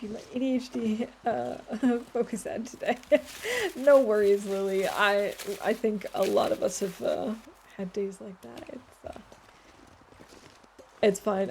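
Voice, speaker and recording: A woman game streamer chatting casually while she plays, her voice at an ordinary middle pitch. She laughs often and answers her chat in a friendly, rambling way, with a faint hum underneath. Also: fairly even intonation, measured pace, gravelly, a little mellow. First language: English.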